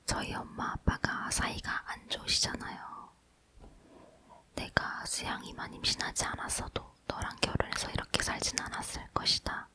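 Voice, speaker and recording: An ASMR reader, a woman, reads a book aloud in a close, breathy whisper, leaning in toward a nearby microphone.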